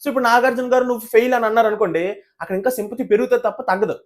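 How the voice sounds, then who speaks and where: A man speaks at a rapid clip in a notably high voice. He sounds indignant and keeps hammering rhetorical questions. He mocks people by quoting them. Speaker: reality show reviewer. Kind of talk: animated opinion commentary.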